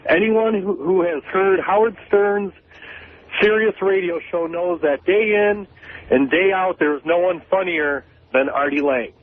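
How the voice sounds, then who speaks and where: A man with a fairly high voice speaks as a call-in radio caller. He comes through a thin, narrow telephone line. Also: measured pace. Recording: tinny, narrow phone line.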